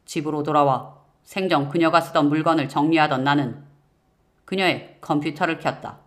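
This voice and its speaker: A man narrating a first-person horror-mystery audiobook in a measured, suspenseful way. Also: a little high, fairly even intonation, fairly bright tone.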